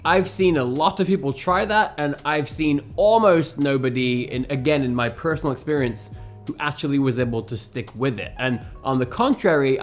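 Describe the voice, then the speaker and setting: An earnest man in his thirties speaks straight to the camera from his bedroom, animated and expressive as he gestures with both hands. His voice sits at an ordinary middle pitch for a man. Soft music plays faintly underneath him. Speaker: language learning YouTuber. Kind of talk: casual advice monologue to camera. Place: bedroom at home, indoors.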